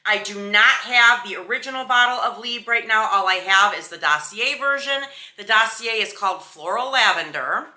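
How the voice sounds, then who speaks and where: Bright, sassy woman reviewing products. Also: medium pitch, lively intonation, moderate pace, few pauses. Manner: sassy, emphatic, slangy. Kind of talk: casual chatty product review. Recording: roomy indoor echo.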